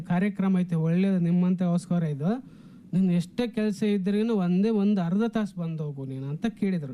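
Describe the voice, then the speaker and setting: Speaking with a north Karnataka accent, this man has a high pitch, a dark, mellow tone, and ordinary pitch variation. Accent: north Karnataka rural Kannada. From Raichur district, north Karnataka. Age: 30s. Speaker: mango farmer. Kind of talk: radio interview.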